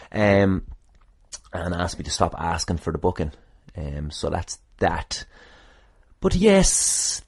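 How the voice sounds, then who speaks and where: A man's voice: sits low, darkish tone. An Irish man hosting a podcast, chatting casually in a rambling, dry and self-deprecating way. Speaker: podcast host. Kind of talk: casual solo podcast talk.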